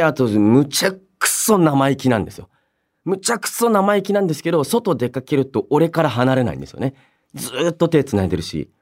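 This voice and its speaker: A man with a voice on the low side hosts a radio show alone, reading listener mail and chatting. His speech is polite and expressive, with emphatic reactions and softer asides in courteous conversational phrasing.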